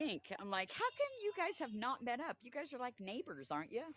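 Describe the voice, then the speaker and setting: Vocal fry with very wide pitch swings. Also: woman. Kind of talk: casual chat.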